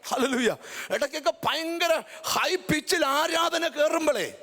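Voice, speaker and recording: A middle-aged woman preacher with a very high, gravelly voice, swinging from storytelling into sudden shouted cries. Each line rings out with a long echo in a big church hall. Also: unhurried. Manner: dramatic storytelling, bursts into shouts, peppered with amens and hallelujahs. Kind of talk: fiery revival sermon.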